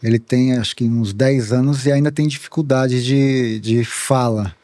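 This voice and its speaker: A man's voice: mid-range voice, steady tone, normal speed, dark tone, no room sound. A man hosting a podcast, asking casual questions with some hesitant phrasing. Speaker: podcast host. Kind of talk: podcast interview.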